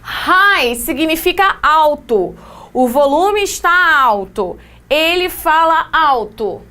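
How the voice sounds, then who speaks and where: A woman with a Brazilian Portuguese accent teaching an English grammar lesson, explaining with quick examples and playful asides. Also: high voice, expressive, pushed and bright. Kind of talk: exam-prep grammar lesson.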